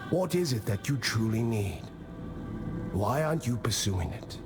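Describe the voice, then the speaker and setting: An actor playing a wise old tribal diplomat in a video game, speaking in a measured, solemn and philosophical way, calm and patient with a gently stern edge. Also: male voice, on the low side. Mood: calm, caring. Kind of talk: scripted video game character monologue. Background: music.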